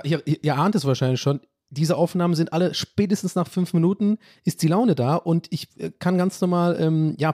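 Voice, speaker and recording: A man's voice: a little high, dark tone, no room sound, studio quality. A podcast host in his late thirties, talking casually to his listeners in a rambling, self-reflective way and dropping in English phrases. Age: 30s. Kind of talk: casual chat monologue.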